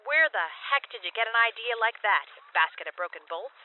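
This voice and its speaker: A woman's voice: a little high, animated, fairly quick, narrow, tinny audio, natural voice. A woman playing a tough, brash female militia lieutenant with brusque, folksy talk in an audio drama. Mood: gruff, evasive. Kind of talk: full-cast audio drama acting.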